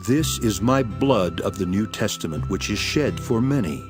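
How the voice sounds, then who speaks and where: Casting: man to play a solemn, sorrowful male teacher for scripture drama, lowish and very expressive, over music. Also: moderate pace, natural voice. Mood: grave. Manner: solemn, declamatory, archaic scripture phrasing. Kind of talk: dramatized Bible audio acting. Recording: music behind the voice. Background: background music.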